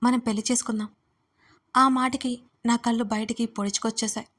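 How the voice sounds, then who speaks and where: Expressive woman narrating a story. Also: a little high, fairly quick. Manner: expressive, dramatic. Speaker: audiobook narrator. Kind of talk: first-person story narration.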